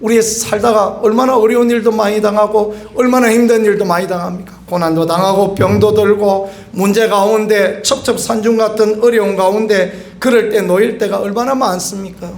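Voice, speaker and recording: A middle-aged male pastor preaches in a high, light voice at an evening prayer meeting. His manner is earnest and pleading. He acts out voices from the story he tells and sometimes cries out with force. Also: steady tone, normal speed, hardly any pauses, a little mellow. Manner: earnest preaching, acting out quoted voices and crying out at times. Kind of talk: sermon.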